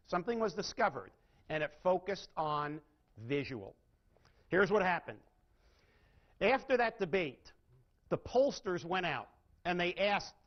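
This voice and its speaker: A man's voice: high-pitched, highs cut off. A man giving a live seminar talk, often putting questions to his audience and showing how inflection changes meaning. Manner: asks the audience rhetorical questions and demonstrates inflection. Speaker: seminar speaker.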